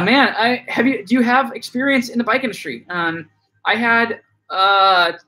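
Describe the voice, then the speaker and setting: A man's voice: high voice, bright, forceful tone, poor audio. A man in his late twenties, a bike shop owner, chatting loosely on a live stream and reading out viewer comments, with many fillers and restarts. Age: 20s.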